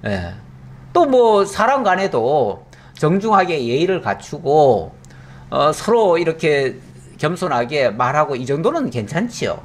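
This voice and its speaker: A man's voice: on the high side, very animated, a little slow. A middle-aged male pastor giving a Bible exposition, telling the story with animation and acting out the characters' lines.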